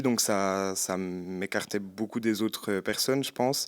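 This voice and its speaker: A man at a fairly slow pace with ordinary pitch variation, in a very clean recording with a silent background. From Switzerland, Jura. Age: 20s. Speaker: singer. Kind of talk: interview. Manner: halting, many hesitations.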